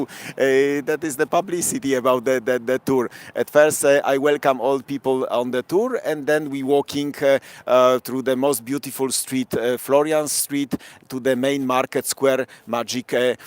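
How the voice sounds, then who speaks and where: A man with a strong Polish accent, a city tour guide chatting through a live-streamed night walk in halting English full of fillers. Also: medium pitch, fairly even intonation, clean tone, no room sound. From Poland. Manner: rambling, many fillers, halting non-native English. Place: outdoors on a city square at night.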